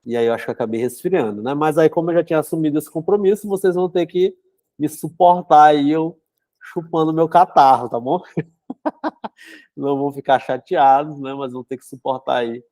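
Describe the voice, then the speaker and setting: A man's voice: on the high side, moderate pace, a little mellow, no room sound. Stuffy-nosed man chatting. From São Luís, Brazil. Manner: chatty, filler-heavy, frequent "né?". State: congested with a cold, runny nose. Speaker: psychotherapist hosting a book club. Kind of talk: casual live-stream talk and reading aloud.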